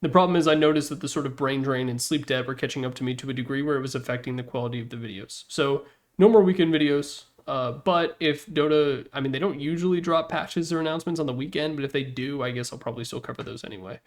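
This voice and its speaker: A man's voice: mid-range voice, quick pace. A man hosting a gaming video with casual, unscripted tier-list commentary, rambling along in a jokey, self-deprecating way.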